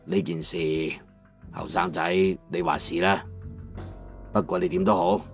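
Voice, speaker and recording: An actor playing a proud, emotional old master locksmith in an emphatic Cantonese audiobook drama. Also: male voice, deep voice, fairly even intonation, unhurried, faint music behind. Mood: businesslike. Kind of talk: dramatized audiobook character acting.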